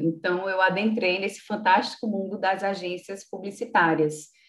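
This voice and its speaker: A woman's voice with fairly even intonation. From Brazil, Northeast (Natal). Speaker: professor, research group leader. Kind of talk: academic presentation.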